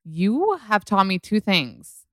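A woman's voice: mid-range voice, very animated, slow pace, fairly bright tone, no room sound, clean studio sound. A woman hosting a podcast, chatting in a gushing, rambling way full of "like". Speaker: podcast host. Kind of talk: casual podcast chat.

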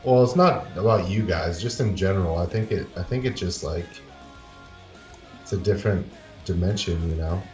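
A man co-hosting a podcast over a voice call, talking loosely with halting restarts, his voice ringing with a big room echo. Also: sits low, a little mellow, dull audio. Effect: big echoey room sound on his mic. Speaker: podcast co-host. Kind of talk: casual chat on a call. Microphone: computer mic on a voice call. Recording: echoey room, faint music under.

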